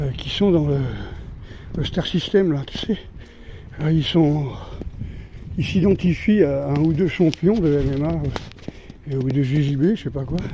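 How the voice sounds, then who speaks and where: A man speaks at a fairly high pitch with noticeable background noise behind him. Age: 60s. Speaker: martial arts teacher. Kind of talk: vlog monologue. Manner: animated; halting.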